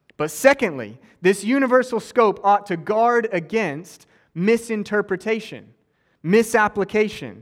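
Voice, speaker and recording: Recorded very cleanly with a silent background, a man with an American accent speaks at a high pitch and a moderate pace. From Oklahoma. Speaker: professor and guest preacher. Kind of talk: sermon.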